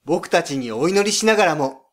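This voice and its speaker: Actor as lively, earnest young celestial lover. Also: male voice, fairly high pitch, brisk. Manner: polite, earnest, gentle wording. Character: polite, devoted young man, celestial lover. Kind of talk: scripted educational story dialogue.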